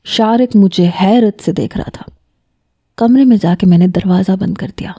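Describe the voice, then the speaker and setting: Woman narrator, mellow voice, calm measured first-person romance reading. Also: medium pitch, slightly rough.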